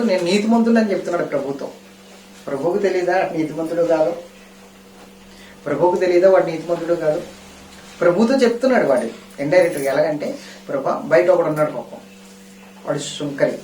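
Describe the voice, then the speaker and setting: A pastor with a raised, fairly high voice delivers a sermon to his congregation. He pushes rhetorical questions at them and keeps calling for loud praise. The sound is roomy and comes from a mic set well away from him, with faint ambience behind. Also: distant mic, slight background noise. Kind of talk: Telugu church sermon.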